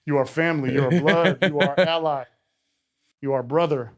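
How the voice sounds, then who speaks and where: Earnest podcast host, slightly high voice. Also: male voice, fairly quick. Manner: earnest, hesitant with fillers, short affirmations. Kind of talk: casual podcast conversation.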